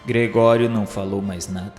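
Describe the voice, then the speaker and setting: A man's voice: fairly low pitch, steady tone, moderate pace, a little mellow. A man with a Brazilian accent reading a scripted dramatic narration in a solemn, formal, literary manner. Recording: reverberant hall effect, music behind. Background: music.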